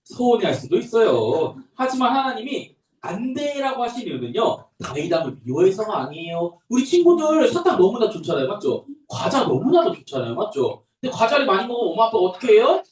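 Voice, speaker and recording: A young adult man who is a pastor, telling a Bible story to toddlers in a sing-song, animated way. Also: sits high, quick pace, hardly any pauses. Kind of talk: children's sermon. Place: church room. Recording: echoey room, voice from a distance.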